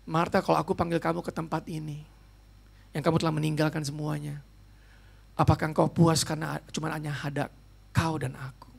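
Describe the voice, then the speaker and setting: A hushed, tender spirit voice speaks slowly and low, with a gravelly edge, as a male preacher puts it on. It sounds softer and quieter than ordinary talk, close to a whisper at times. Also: level tone, full character voice. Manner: slow, hushed and soft-spoken. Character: gentle, tender divine spirit voice.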